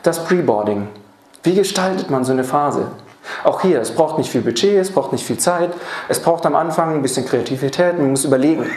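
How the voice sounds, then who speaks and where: A man's voice: fairly high pitch, a little fast, a little mellow. A man giving a seminar talk on apprenticeship training to a live audience, speaking to them directly and posing rhetorical questions. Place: seminar or lecture room. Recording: roomy hall sound.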